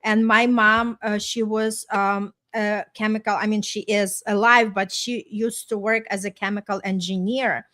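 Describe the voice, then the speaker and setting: A woman's voice: mid-range voice, flat delivery, measured pace, hardly any pauses, sharp tone. Chatty Eastern European woman, middle-aged. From small town in Ukraine, former Soviet Union. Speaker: podcast host and life coach. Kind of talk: casual personal storytelling in conversation.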